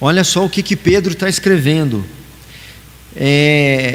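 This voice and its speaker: Noticeable background noise is present. A man speaks with ordinary pitch variation. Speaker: pastor. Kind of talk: Bible study teaching. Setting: church, livestreamed.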